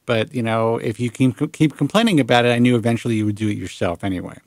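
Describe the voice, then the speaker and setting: A man in his late forties hosting a talk show, chatting casually with lively restarts and the odd swear word. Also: mid-range voice, fast talker, no echo. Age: 40s. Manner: animated, swearing, lots of restarts. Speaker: show host. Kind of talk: casual radio show chat.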